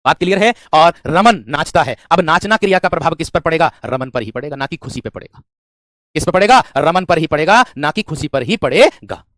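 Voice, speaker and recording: A man's voice: fairly high pitch, lively intonation, fairly quick, a bit bright, no echo, studio quality. A man teaching an exam-prep grammar lesson, asking the class questions and answering them himself, repeating key phrases. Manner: repeats phrases, often says "my friend".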